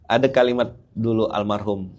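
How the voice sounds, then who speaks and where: Man preaching with a lilt, kinda low voice, keeps tossing questions at the crowd. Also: a little mellow. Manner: playful, keeps asking the audience questions. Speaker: Islamic preacher. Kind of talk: casual humorous dawn sermon.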